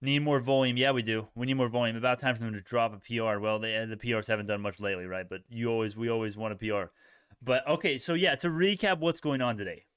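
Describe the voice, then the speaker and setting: A man's voice: medium pitch, fast talker, a bit bright, clean tone, no echo, studio quality. A young man hosting a casual live stock-trading stream, reacting to chat in informal bro slang and often repeating himself as he thinks aloud. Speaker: livestream host, retail stock trader.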